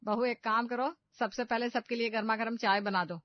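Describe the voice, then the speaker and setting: A woman voicing a strict, shouting middle-aged mother-in-law who scolds loudly and sharply in a cartoon. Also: fairly high pitch, fairly even intonation, brisk, close to an everyday voice. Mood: scolding. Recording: dull lo-fi dry recording.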